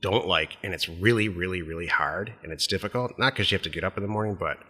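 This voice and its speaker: A man's voice: low voice, quick pace, bright, forceful tone, husky, long reverb tail. A middle-aged American man co-hosting a podcast, chatting casually about business in a blunt, plain-spoken way. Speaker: podcast co-host.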